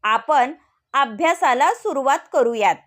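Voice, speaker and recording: A woman voicing a strict middle-aged male professor who speaks in a stern, deadpan way. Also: sits high, measured pace.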